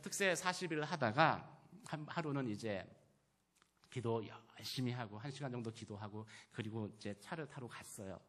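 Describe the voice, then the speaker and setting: A man preaching a sermon in church, moving between loud declarations and quiet personal storytelling. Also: mid-range voice, normal speed. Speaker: pastor. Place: church sanctuary.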